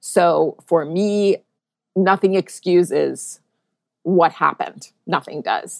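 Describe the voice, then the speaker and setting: This woman talks at a very slow pace, and the sound is dry and close with no echo. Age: 50s. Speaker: TV writer and producer. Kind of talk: interview conversation.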